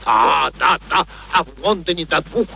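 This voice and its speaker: An actor playing an arrogant, excitable gentleman professor of phonetics in a radio play, declaiming pompously with precise diction. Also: fairly high pitch, normal speed, vocal fry, exaggerated voice. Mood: boastful. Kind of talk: theatrical radio play acting. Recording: noisy vintage radio play recording.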